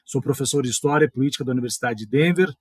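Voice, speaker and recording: A man's voice: mid-range voice, rapid-fire, darkish tone, husky, dry recording, clean studio sound. A middle-aged man from southern Brazil with a southern Brazilian accent, a professor giving political commentary in a thoughtful, hedging way. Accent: southern Brazilian Portuguese. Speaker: history and politics professor, columnist. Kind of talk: video column commentary.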